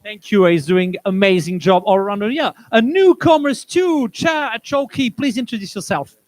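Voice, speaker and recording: A man hosting a live event on stage as an energetic emcee who hurries people along. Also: sits high, moderate pace, no room sound. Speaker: event host.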